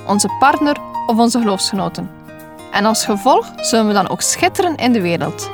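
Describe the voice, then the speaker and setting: A woman hosting a short Christian devotional podcast, speaking earnestly and encouragingly as a wife and mother. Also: on the high side. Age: adult. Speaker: podcast host giving devotionals.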